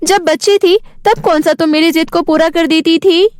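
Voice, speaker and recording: A woman voicing a stubborn, sulky poor schoolgirl in a children's cartoon, whiny, demanding and quick to talk back. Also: extremely high pitch, steady tone, a little mellow, no echo, pitched above the performer's own voice. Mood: upset. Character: stubborn, sulky poor schoolgirl who craves pretty clothes.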